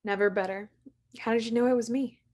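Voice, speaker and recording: A woman's voice: fairly high pitch, fairly even intonation, fairly quick, darkish tone, natural voice. A woman playing a cheeky, teasing rebel at a screenplay table read.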